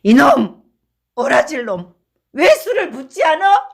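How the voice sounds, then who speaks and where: A woman voicing a drunken middle-aged rickshaw man, shouting and slurring with loud bluster. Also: sits high, very animated, a little slow, pitched above the performer's own voice.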